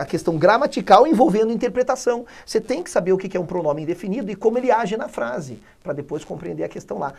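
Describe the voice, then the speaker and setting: A man from Brazil teaching an exam-prep English lesson, energetic and chatty, reading English slowly and then explaining fast. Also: high-pitched, vocal fry.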